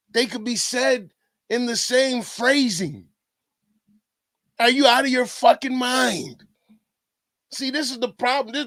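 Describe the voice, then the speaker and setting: A man rants in disbelief while reacting to clips, swearing freely. His voice is high and bright, and his delivery is slow and drawn out. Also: dry recording, poor audio. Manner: incredulous, profane ranting. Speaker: commentator. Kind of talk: reaction commentary.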